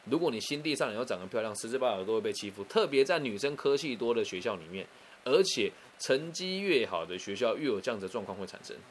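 A man with a Taiwanese Mandarin accent telling a personal story in a chatty, animated way, often restarting and adding asides. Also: mid-range voice, fast, a little hiss or hum.

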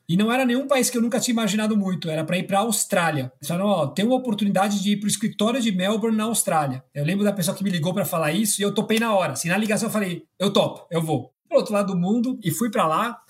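A man from Germany recounts his career as a podcast guest, quick and chatty. His voice sits fairly high and he keeps tossing in little tag questions as he goes. It is relaxed, conversational interview talk. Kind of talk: casual interview storytelling.

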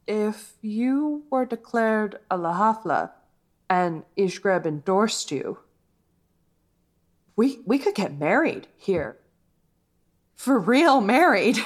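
A woman's voice: mid-range voice, very animated, slow, long pauses. An actress playing a bold, playful, scheming alien woman in a sci-fi audio drama, emphatic and dramatic. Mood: earnest.

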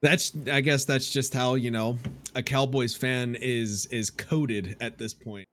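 A man's voice: medium pitch, fairly even intonation, a little slow, a bit bright, a little hiss or hum. A man co-hosting a casual sports talk show, speaking in a wry, self-deprecating way. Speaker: podcast co-host.

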